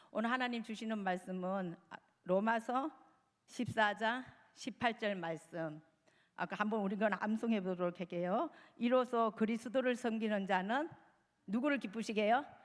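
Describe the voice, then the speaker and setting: A woman at a moderate pace with long, frequent pauses, fairly high in pitch, with ordinary pitch variation. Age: 60s. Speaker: guest preacher. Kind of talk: sermon. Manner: call-and-response questions.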